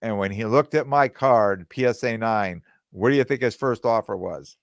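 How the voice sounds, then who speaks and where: A man hosting his own podcast in casual, rambling talk, with plenty of fillers and restarts, and his voice going hoarse. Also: on the low side, normal speed, no echo, studio quality. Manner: quotes other people in dialogue. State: losing his voice. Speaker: podcast host.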